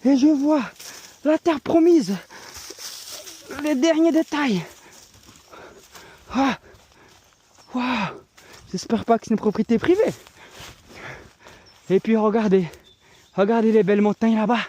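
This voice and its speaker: A man's voice: very high-pitched, takes it slowly, long pauses, mellow, slightly rough. A man vlogging outdoors while walking a hillside trail, exhorting his viewers as friends in a preaching style, filmed on a handheld phone. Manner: walking and climbing while talking. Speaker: evangelist. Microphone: handheld phone camera.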